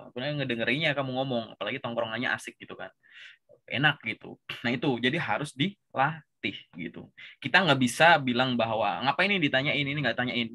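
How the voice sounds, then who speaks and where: A man with a Javanese accent giving a relaxed, chatty coaching session and tagging his sentences with filler words. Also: mid-range voice. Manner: relaxed, chatty, says "gitu" constantly. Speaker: career coach.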